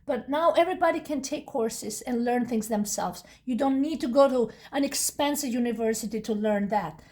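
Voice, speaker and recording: Chatty higher-voiced woman reading tarot. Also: moderate pace, warm tone. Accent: non-native English. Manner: rambling, frequent restarts and asides. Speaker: tarot reader. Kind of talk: casual tarot reading monologue.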